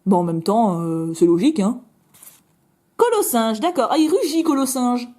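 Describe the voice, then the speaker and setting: A bubbly French woman chats away as she opens card packs, her fairly high voice swooping up and down. She jokes at her own expense and throws in quick asides. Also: lively intonation, dark tone. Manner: chatty, bubbly, self-mocking, quick asides. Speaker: card-opening video host. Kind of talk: casual chat while opening cards.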